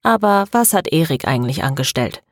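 A woman reading the part of a curious, caring young best friend who asks questions gently. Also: low-pitched, sing-song, fairly quick, no echo, clean studio sound.

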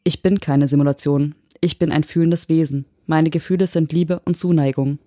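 A woman voicing a possessive smart-home AI that holds a dead husband's mind, speaking calmly and without emotion in an audiobook. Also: deep voice, normal speed, no echo, studio quality, close to an everyday voice. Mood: cold, devoted. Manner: emotionless, mechanically patient. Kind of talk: audiobook reading.

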